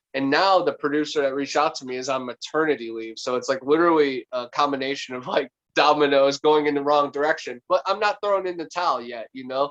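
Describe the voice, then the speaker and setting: A man talks very fast and loud, with a fairly high pitch. His pitch varies in an ordinary way, and the sound is dry and close with no echo. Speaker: bigfoot researcher and author. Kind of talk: casual chat. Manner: animated.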